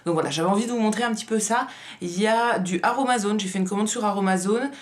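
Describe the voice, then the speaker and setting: Beauty vlogger woman, just woke up tired morning voice, chatting casually and really fast. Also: mid-range voice. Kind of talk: casual vlog chat.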